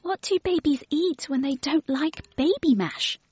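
A woman's voice: high voice, a little slow, darkish tone, muffled recording, slight background noise, pitched above the performer's own voice. A woman voicing a curious, doubtful young girl.

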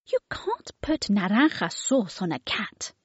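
Woman putting on a helpful young boy, bright and lively, slow and careful. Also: mid-range voice, husky, no echo, dull audio. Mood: cheerful.

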